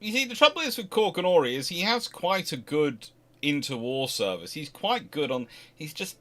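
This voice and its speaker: A man's voice: fairly high pitch, normal speed. A man hosting a casual question-and-answer stream, talking in a rambling way, often restarting his sentences. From Scotland. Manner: rambling, self-correcting, animated asides. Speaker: host answering viewer questions. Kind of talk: casual livestream Q&A.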